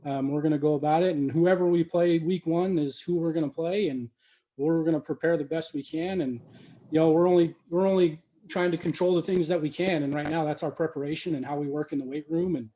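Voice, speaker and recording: Football coach over a dull phone line. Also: male voice, a little high, steady tone, mellow. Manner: halting, fills pauses with "you know". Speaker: high school football coach. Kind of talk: casual interview answers.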